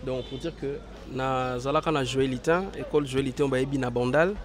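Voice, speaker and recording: A young man from Congo with a hoarse voice from a cold, answering interview questions outdoors in a halting, filler-heavy way. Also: medium pitch, fairly even intonation. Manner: hesitant, many fillers and restarts. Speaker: interview guest, actor. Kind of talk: casual interview, mixing French and Lingala.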